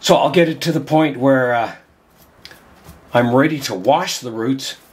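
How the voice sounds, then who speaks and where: An older man with a hoarse voice from a cold, hosting a bonsai channel and chatting casually as he works with his hands in a glass greenhouse, thinking aloud as he goes. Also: medium pitch, a little slow.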